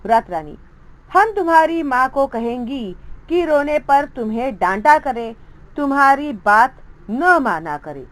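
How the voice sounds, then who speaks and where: Lively, slow-speaking woman teacher. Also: high voice, low-quality recording. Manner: reads story lines aloud and acts out children's voices. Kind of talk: explaining a Hindi textbook lesson.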